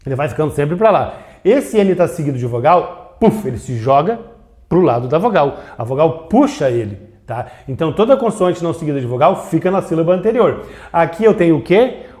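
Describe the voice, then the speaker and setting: A man's voice: on the high side, big pitch swings, a little fast, darkish tone. A man teaching a grammar lesson on video, explaining step by step, asking and answering his own questions, and drawing out syllables to show them. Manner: stretches out syllables to demonstrate.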